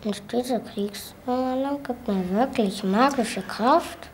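A woman's voice: fairly high pitch, slow pace, music in the background, rough recording. A woman playing a feisty young child, eager for a scrap, in scripted film dialogue. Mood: eager, combative.

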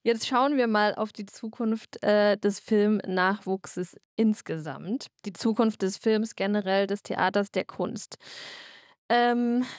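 A woman's voice: medium pitch, slow pace, no echo, studio quality. A woman interviewing a guest at a film festival, asking friendly, informal questions.

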